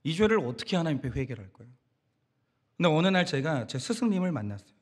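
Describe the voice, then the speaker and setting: A man's voice: fairly high pitch, sing-song, fast talker. A man preaching a Sunday sermon as pastor, emphatic and direct, asking the congregation rhetorical questions. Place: church sanctuary.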